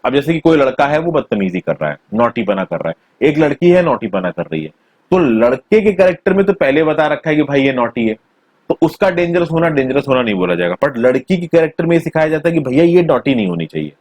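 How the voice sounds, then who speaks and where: A man's voice: fairly high pitch, very animated, fairly quick, a little mellow, dry recording. Man explaining a textbook lesson. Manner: conversational, mixes Hindi with English terms. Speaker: teacher.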